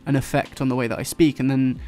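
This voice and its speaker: A man with an English accent softened by London, chatting casually and rambling while he draws, swearing now and then and dropping his t's. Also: mid-range voice, steady tone, fast talker, faint music behind. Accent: English, London-influenced. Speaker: YouTuber drawing on stream. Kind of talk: casual chat while drawing.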